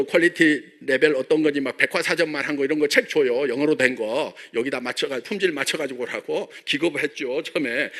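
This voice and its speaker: A middle-aged company chairman from Jeolla, South Korea, speaks in a slightly high, bright, forceful voice. On stage, he delivers a joking motivational speech to his members, packed with rhetorical questions.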